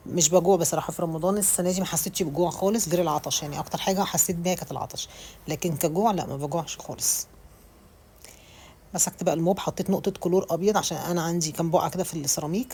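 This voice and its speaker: A home vlogger in her thirties with an Egyptian Arabic accent chats casually about cleaning her home in a rambling voice-over full of restarts. Her voice is on the low side and a little mellow, with slight background noise.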